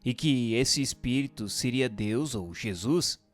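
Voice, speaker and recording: A man's voice: medium pitch, animated, unhurried, faint music behind, lightly acted. A man playing an earnest questioner in a scripted audio drama, asking in a formal, inquiring way. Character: earnest male questioner seeking truth from spirits.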